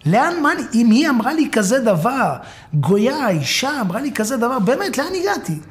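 An anguished, desperate sinner , voiced by a male preacher, pleads and cries out in a sermon tale. The pitch climbs high and he nearly shouts. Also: big pitch swings. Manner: pleading, rising to a cry.

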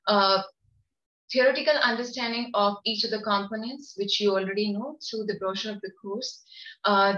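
A middle-aged woman with an Indian English accent gives a formal law course lecture from an office, speaking deliberately with hesitant fillers over a shared webcam mic on a video call. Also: medium pitch, a bit bright. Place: office, seated at a desk beside a colleague. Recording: roomy, dull video-call audio.

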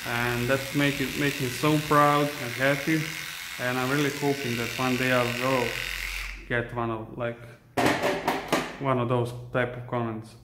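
A young man with a Serbian accent, a dog groomer chatting casually while he works, halting and searching for English words. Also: medium pitch, little pitch movement, background noise. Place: indoor grooming room. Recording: echoey room.

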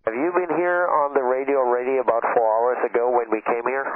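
A man's voice: medium pitch, fairly even intonation, brisk. A man, an airline pilot, chatting casually over aircraft radio. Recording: tinny radio, faint static.

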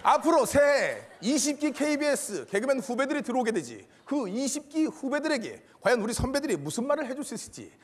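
A man's voice: very high-pitched, big pitch swings, fairly quick, hardly any pauses, slightly rough. A man leading a rhythmic rhyming comedy routine on stage. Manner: sing-song rhyming delivery. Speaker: comedian in a rhyming group act. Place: large studio stage with audience.

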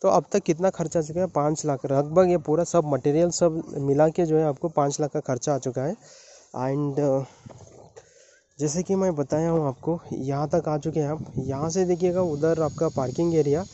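A young man walks through an outdoor building site, explaining the work in a relaxed mix of Hindi and English with frequent fillers. His voice sits a little high yet mellow. The handheld phone sound is slightly dull, with faint outdoor noise behind him. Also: normal speed. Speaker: civil engineering vlogger. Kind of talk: walking site tour vlog. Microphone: phone held at arm's length.

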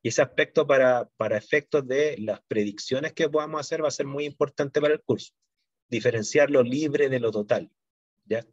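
A man's voice: mid-range voice, moderate pace, dry recording, dull audio. A middle-aged man lecturing on chemistry to a university class, explaining step by step and checking in with his students often. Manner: explanatory, frequent "¿no es cierto?" and "¿ya?" check-ins.

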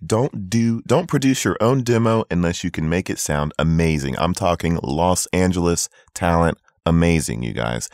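A man with a low voice gives casual, emphatic advice to beginners. He repeats points for stress, and the sound is dry and close. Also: no room sound. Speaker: voice acting tips host.

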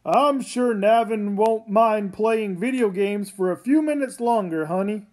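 A woman voicing an earnest father in a comic read-aloud, with her voice lowered. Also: measured pace, darkish tone, close to an everyday voice. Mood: easygoing. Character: adult father, easygoing then desperate.

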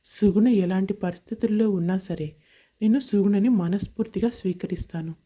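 A woman voicing a sincere, devoted young man in love, earnest and polite, in an animated moral story. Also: mid-range voice, moderate pace, natural voice.

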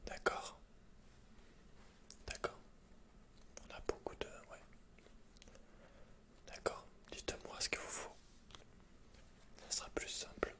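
A young man speaks in a breathy, unvoiced whisper. He is hesitant and halting, murmuring softly as a shop salesman in an ASMR roleplay. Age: young adult. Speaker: ASMR performer playing a computer shop salesman. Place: indoors, quiet room with dark backdrop.

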